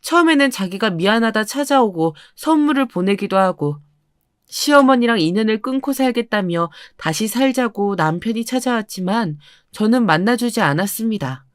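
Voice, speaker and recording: A woman narrating a first-person story in a calm, even manner. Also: on the high side, moderate pace, dry recording, studio quality.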